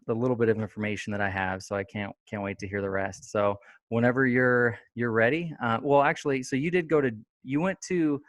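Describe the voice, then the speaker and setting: A man's voice: medium pitch, dry recording. A man hosting a casual interview podcast, rambling with lots of fillers and restarts. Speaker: podcast host.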